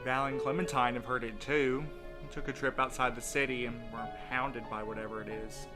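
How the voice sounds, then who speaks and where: An actor playing a stubborn, devoted courier in an audio drama, insistent and questioning. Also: male voice, mid-range voice, fairly even intonation, a little fast, over music, natural voice. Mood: confused, hurt. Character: stubborn, devoted young courier desperate to keep his loved one.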